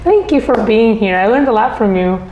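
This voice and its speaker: A woman's voice: a little high, expressive, dull audio, a little hiss or hum. Encouraging woman podcast host, echoey room. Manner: encouraging, laughs often, quick backchannels. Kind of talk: casual interview.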